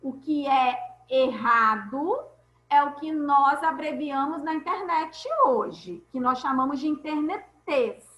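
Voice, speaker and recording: A woman's voice: high-pitched, takes it slowly, fairly bright tone, roomy sound, poor audio. A woman teacher giving an online class, explaining step by step and checking in with her students.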